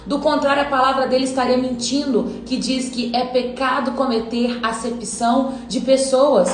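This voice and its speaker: A woman's voice: high-pitched, fairly even intonation, normal speed, echoey room, soft background music, low-quality recording. A woman giving an earnest devotional Bible teaching, acting out quoted voices as she preaches.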